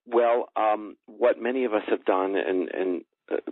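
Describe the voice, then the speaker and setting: A man explaining earnestly and haltingly as an interview guest over a telephone. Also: on the low side. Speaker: interview guest, energy healer. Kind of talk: explanatory talk in a phone interview. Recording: tinny phone line, roomy echo.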